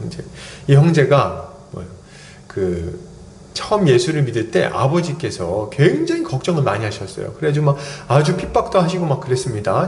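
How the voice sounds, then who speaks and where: A male pastor preaching a sermon, telling stories in an animated way and acting out voices. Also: medium pitch, a little hiss or hum. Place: church. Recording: echoey church hall.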